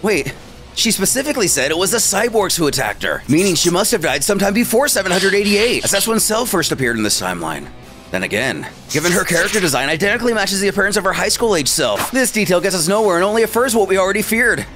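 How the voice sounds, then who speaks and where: A man's voice: high voice, sing-song, fast, a bit bright. A man narrating a story retelling in a playful way with wry asides. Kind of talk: comic story recap narration. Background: faint background music.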